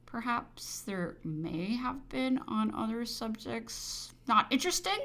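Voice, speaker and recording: A woman reads as a dignified English army doctor in a historical audiobook. The delivery is formal and restrained, quietly standing firm with careful, measured words. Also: fairly high pitch, expressive, pitched above the performer's own voice, heavily acted. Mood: guarded. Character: composed, dignified male English officer and physician, politely defiant. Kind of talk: dramatized audiobook reading of a historical memoir.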